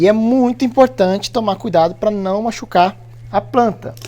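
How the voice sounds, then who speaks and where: A woman talks at a fairly slow pace, her intonation lively and her pitch fairly high. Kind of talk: casual, instructional gardening talk.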